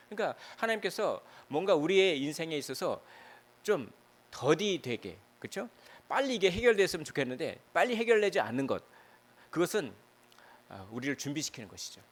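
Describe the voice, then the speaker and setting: A male pastor preaching a Sunday sermon in a church, chatty and animated, with many fillers and rhetorical questions. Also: fairly high pitch, a little fast. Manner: animated, piling up emotional verbs. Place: church sanctuary.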